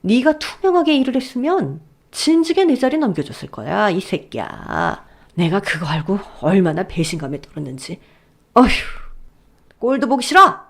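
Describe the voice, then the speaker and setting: A furious wealthy old father, put on by a woman reading the story snaps and sneers in a lowered, gruff voice. His pitch swings widely as he scolds, blunt and contemptuous. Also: huge pitch swings, normal speed. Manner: gruff, sneering, shouting insults.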